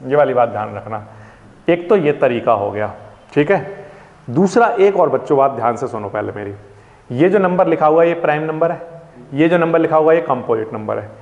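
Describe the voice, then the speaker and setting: A man's voice: fairly high pitch, lively intonation, brisk, vocal fry, a little mellow. A man teaching a classroom maths lesson in Hindi mixed with English words, asking his pupils questions and then answering them himself. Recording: dull echoey classroom recording.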